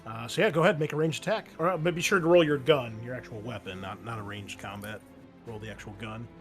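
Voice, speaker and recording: A man's voice: mid-range voice, fast, a bit bright, soft background music. A man running an online tabletop roleplaying game, explaining things in a casual way. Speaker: game master.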